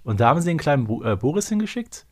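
A man's voice: fairly high pitch, sing-song, rapid-fire, darkish tone. A man of forty co-hosting a casual fan podcast, explaining things in an analytical way. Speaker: podcast co-host.

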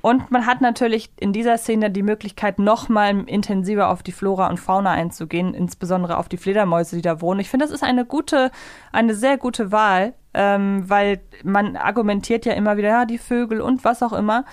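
Clear-voiced woman podcaster, close and dry. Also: medium pitch, fairly even intonation, a little fast, no room sound. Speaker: podcast co-host. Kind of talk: casual discussion of an audio drama.

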